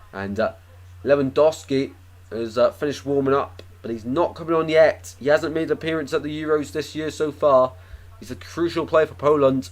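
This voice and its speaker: With an English accent, a man talks at a moderate pace in a fairly high pitch, using lively intonation and big swings in loudness. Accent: sounds English rather than Welsh. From Wales. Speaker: football streamer. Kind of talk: live watchalong commentary and chat. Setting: live stream. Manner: casual, chatty.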